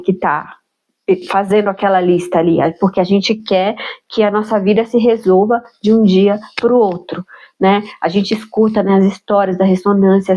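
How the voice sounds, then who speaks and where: A woman's voice: mid-range voice, warm tone, muffled recording. A woman with a nasal, stuffed-up voice from a cold, reflecting aloud on her spiritual practice in a musing way and adding tag questions to her sentences. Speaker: spiritual vlogger. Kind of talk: reflective personal talk.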